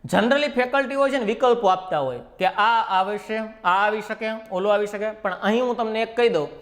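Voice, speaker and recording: A man with a Gujarati accent giving a reasoning lecture, firing rhetorical questions at his students and acting out little dialogues to make each step clear. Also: sits high, normal speed, a bit bright. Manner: acts out dialogues with the numbers. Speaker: reasoning teacher. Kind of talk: classroom lecture.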